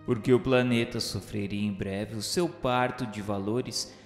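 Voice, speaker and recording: A man's voice: fairly low pitch, fairly even intonation, a little slow. A man with a Brazilian accent reads solemn scripted narration for a spiritual radio novel, with formal, oratorical diction. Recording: echoey hall reverb, music underneath.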